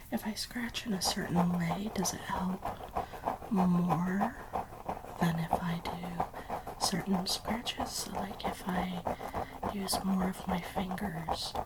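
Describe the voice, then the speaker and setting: The words come as a very slow whisper. Noticeable background noise sits behind them. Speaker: ASMR creator. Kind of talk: ASMR role-play, soft-spoken scalp scratching. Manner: soft-spoken.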